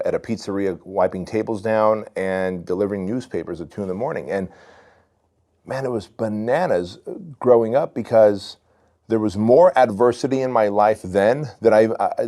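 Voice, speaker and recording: Guy in his 40s from armenia, deep voice, loose and candid, keeps saying man. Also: warm tone. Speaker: podcast guest. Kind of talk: casual storytelling.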